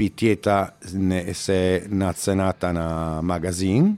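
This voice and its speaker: A man speaks with an Italian accent. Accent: Italian accent in Bulgarian, with mistakes. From Italy, Rome. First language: Italian (speaking Bulgarian). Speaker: wine shop and restaurant owner. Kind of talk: interview.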